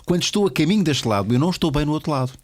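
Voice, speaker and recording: A man's voice: on the high side, animated, racing, no room sound, studio quality. A man from Lisbon with a local Portuguese accent, hosting a casual interview and chatting in a teasing, rambling way full of "pá". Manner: teasing, rambling, uses filler "pá". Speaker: podcast host.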